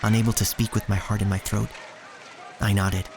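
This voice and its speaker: A man playing a solemn narrator who tells of a poor street childhood in measured, scripted audio drama storytelling. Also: on the low side, level tone, background noise, natural voice. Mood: somber, measured. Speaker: first-person narrator. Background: music.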